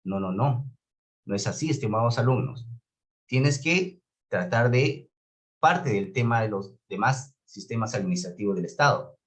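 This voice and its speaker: A man's voice: lowish voice, animated, unhurried. A man with a Peruvian Spanish accent teaching a class in a didactic way, stressing key words and checking that students follow. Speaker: course instructor. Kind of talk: online lecture on public administration.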